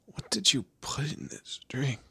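A man playing a weary, wry kidnapped guy in a roleplay audio drama, speaking haltingly and conversationally. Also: medium pitch, expressive, sharp tone, breathy edge, dry recording, full character voice. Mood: groggy, pained. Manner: hesitant, halting, sardonic.

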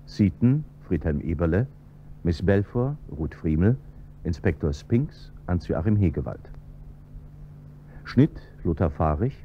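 Deep-voiced male radio announcer. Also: very animated, unhurried, pauses often. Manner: plain, formal announcing. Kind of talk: reading closing credits. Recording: dull old radio recording with faint hum.

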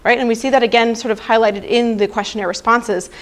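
A woman's voice: on the high side, fairly even intonation, fast talker. A young woman presenting research at a conference, explaining slides and checking in with "right?" and "okay?". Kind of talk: academic conference talk. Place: presentation room.

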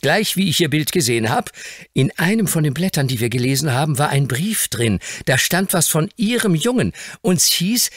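Man doing Dick, a brash high-voiced street lad. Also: breathy edge, no room sound, clean studio sound. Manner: hasty, outraged, sharp-tongued street talk. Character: excitable young male street bootblack, brash and breathless.

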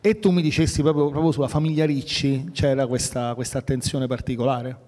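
Male moderator, mellow dark tone, calm retelling, hall reverb. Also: mid-range voice, brisk. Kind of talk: festival panel talk.

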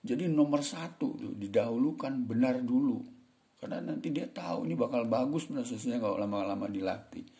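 A man teaching English grammar in a casual, chatty way, slowing down to read example sentences aloud and calling his viewers friends. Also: medium pitch, lively intonation, warm tone. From Indonesia.

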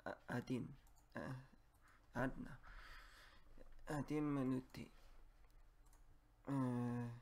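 A man whose first language is English practises speaking, slowly and haltingly, repeating words at his computer. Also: medium pitch, gravelly, a little mellow. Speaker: language learner.

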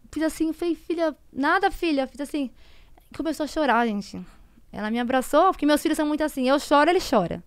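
Brazilian woman, 30s, podcast guest; raised pitch, clean voice, very dry close sound, conversational, slips into hushed tones. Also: smooth, no room sound. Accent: Brazilian Portuguese. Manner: conversational, often trailing into soft, hushed tones and frequent tag questions. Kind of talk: emotional personal storytelling.

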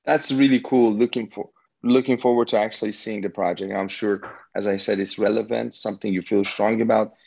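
A man whose first language is Farsi, giving an energetic, motivational talk to students as a guest speaker on a video call. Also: lowish voice, fairly quick, vocal fry, husky, dull audio. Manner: energetic and motivational, with frequent restarts.

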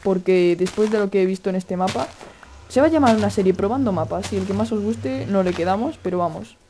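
Man, Spain Spanish accent, excitable gameplay commentary, mellow tone. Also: sits high, a little fast, a little hiss or hum. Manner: excitable, chatty, exclaiming. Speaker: gaming video host.

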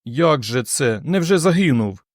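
A dazed young astronaut in a science-fiction audiobook, read by a male narrator, weak and a bit awkward. He drags his words out slowly and faintly, near the narrator's own pitch. The recording is dry. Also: lively intonation, no room sound, close to an everyday voice. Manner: slow, faint.

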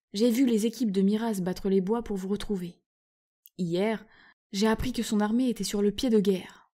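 An old, kindly male scholar, breathless from hurrying, as a woman reads him. He speaks earnestly and urgently, in a mellow, dark-toned voice. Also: medium pitch, lightly acted. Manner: earnest, hurried.

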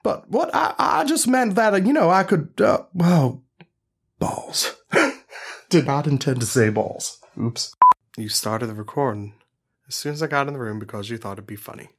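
A man's voice: mid-range voice, expressive, normal speed, slightly rough. A man joking around at a tabletop game recording, often stammering and laughing between lines. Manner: stammering, giggly, self-interrupting. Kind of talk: casual banter at a recording session.

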